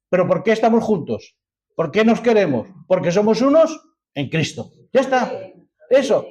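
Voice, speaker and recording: A man's voice: sits high, darkish tone. A man with an accent from Spain preaching a sermon to a congregation, emphatic and fond of rhetorical questions and repetition. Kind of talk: sermon, reading and expounding scripture to a congregation.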